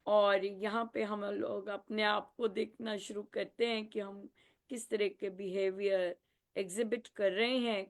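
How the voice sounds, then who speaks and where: A woman leading a devotional group talk, animated, acting out quotes and laughing often. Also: medium pitch. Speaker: spiritual group facilitator.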